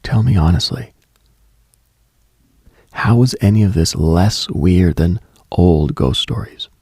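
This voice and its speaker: A man hosting a late-night mystical radio show, delivering a scripted monologue in a hushed, contemplative, brooding manner. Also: low-pitched, slow pace, breathy edge, no room sound, studio quality.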